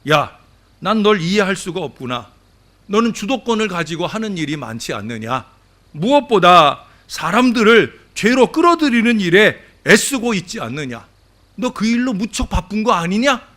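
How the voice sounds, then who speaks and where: A man's voice: high voice, very animated, moderate pace, bright, forceful tone, voice pushed up, heavily acted. A man voicing God as a baffled male figure who questions the devil. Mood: incredulous.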